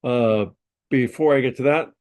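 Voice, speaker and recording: A man's voice: mid-range voice, a little mellow. Male podcast host, nasal and congested, mid-range voice, casual rambling delivery full of fillers. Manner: rambling, unhurried, frequent ums and uhs. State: congested from a sinus infection. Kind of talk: casual storytelling monologue.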